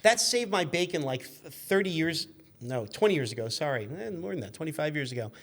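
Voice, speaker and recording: A man in his fifties with a voice pitched a bit high for a male. He talks as a relaxed guest swapping stories, full of asides and self-corrections. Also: brisk. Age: 50s. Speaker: guest, car magazine editor. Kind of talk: casual conversational storytelling.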